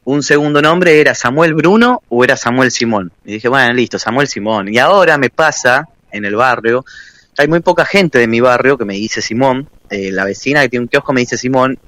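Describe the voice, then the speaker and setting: A young man with a Rioplatense accent, a radio guest telling a lively personal story and acting out the other voices. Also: medium pitch, moderate pace, no room sound. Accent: Rioplatense Spanish. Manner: lively, laughing, quotes voices. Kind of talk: storytelling anecdote.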